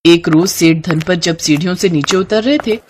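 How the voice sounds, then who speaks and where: A woman's voice: fairly low pitch, moderate pace, very noisy. A woman giving scripted narration for a cartoon story.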